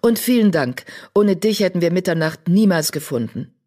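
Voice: mid-range voice, expressive, moderate pace, mellow, natural voice. A narrator voicing Brombeerkralle, an earnest young male warrior cat in an audiobook.

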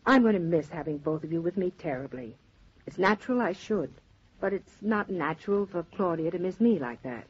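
A woman's voice: fairly low pitch, lively intonation, a little fast, slightly rough. A blunt, dry mother. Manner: blunt, dryly teasing. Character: mother, older woman, dry and plainspoken. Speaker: actor in radio drama. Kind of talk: 1940s radio acting. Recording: dull 1940s radio transcription.

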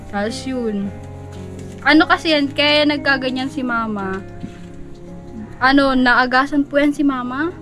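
A 19-year-old woman answering interview questions politely, halting and searching for words. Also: sits high, fairly bright tone, soft background music. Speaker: interviewee, working daughter.

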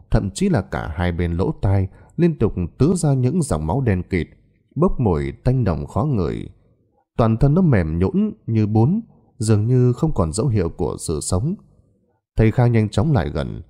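A man narrating a horror story in a dramatic, expressive scripted style. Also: on the low side.

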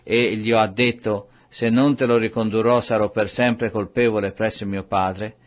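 A man reading scripture aloud in a measured, solemn way. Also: on the low side, fairly even intonation, highs cut off. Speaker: Bible reader.

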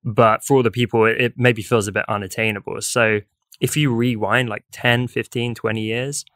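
A man's voice: mid-range voice, steady tone, normal speed, a bit bright, no echo, studio quality. A young man hosting a podcast, asking informal, enthusiastic questions into a desk mic in an office room. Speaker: podcast host. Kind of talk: interviewing. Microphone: desk studio mic.

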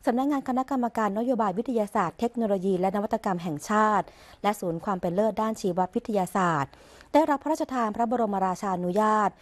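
Woman reading formal royal court news. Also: mid-range voice. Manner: measured, formal and even. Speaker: news reader.

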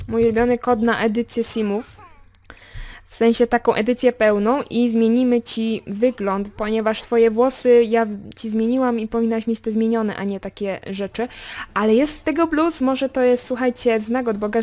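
A young woman hosting a casual game commentary, chatting straight to her viewers and swinging between excited remarks and quiet muttered asides. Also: a little high. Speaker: gaming video host. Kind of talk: casual let's play commentary.

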